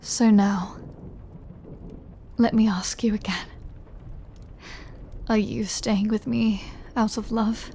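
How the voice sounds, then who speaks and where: A woman playing a lonely, tender immortal vampire lover in an intimate audio roleplay, her voice breathy and often half-whispered, with an emotional delivery. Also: medium pitch, fairly even intonation, a little hiss or hum. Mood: melancholy, tender. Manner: slow, hushed, emotional delivery with long pauses.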